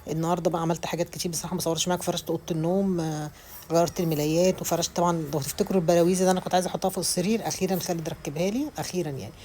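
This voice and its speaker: A woman's voice: lowish voice, steady tone, very fast, mellow, a little hiss or hum. A woman in her thirties with an Egyptian accent, chatting casually about cleaning her home in a rambling voice-over full of restarts. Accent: Egyptian Arabic. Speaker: home vlogger.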